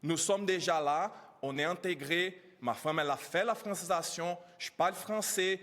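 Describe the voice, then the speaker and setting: A man's voice: sits high, normal speed, a bit bright. A man whose first language is not French, giving emotional, pleading testimony at a press conference, asking many rhetorical questions. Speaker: immigrant speaking at a press conference. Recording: reverberant hall.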